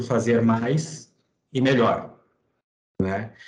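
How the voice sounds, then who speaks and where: The voice is somewhat breathy, with fairly even intonation. Room echo is audible. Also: man. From Rio Grande do Sul coast, southern Brazil. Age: 30s. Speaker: interior designer. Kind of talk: interview.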